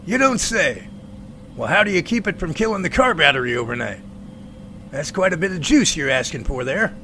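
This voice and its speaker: Folksy, gravelly professor played by a man. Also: a little high, sing-song, pushed and bright, a little hiss or hum, full character voice. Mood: curious. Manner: folksy, colloquial, drawn-out remarks. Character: earnest, folksy male professor, grateful and inquisitive. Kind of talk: amateur audio drama acting.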